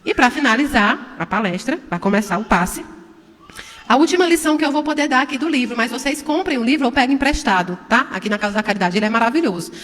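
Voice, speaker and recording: A middle-aged woman from Brazil gives a chatty spiritual talk, her fairly high voice carrying through a large hall with a long reverb. She keeps turning to her listeners with questions and sometimes acts out a shout. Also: expressive, quick pace. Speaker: spiritist lecturer. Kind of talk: informal spiritual talk to an audience. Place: large hall before an audience.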